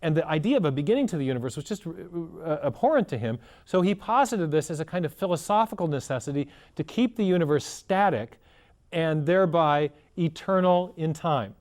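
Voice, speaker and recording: A man's voice: a little high, expressive, a little fast, darkish tone. Earnest man explaining at length. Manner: earnest, storytelling explainer who restarts phrases. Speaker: guest scholar. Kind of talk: explanatory interview talk.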